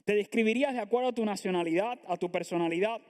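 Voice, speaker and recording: A Latin American pastor preaches to his congregation in a church sanctuary, speaking quickly in a high voice. His sermon is earnest and packed with rhetorical questions.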